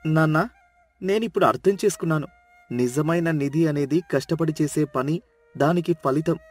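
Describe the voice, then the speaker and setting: A man's voice: fairly high pitch, normal speed, faint music behind, natural voice. A man voicing an earnest young farmer son. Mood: earnest realization. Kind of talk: storybook character dialogue.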